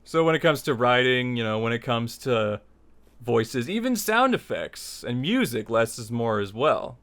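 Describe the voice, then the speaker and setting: A man's voice: medium pitch, very animated, measured pace, a bit bright. Male tutorial host, mid-range voice, conversational and opinionated, loosely structured delivery with repeated phrases for emphasis. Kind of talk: informal spoken lesson, opinionated explanation.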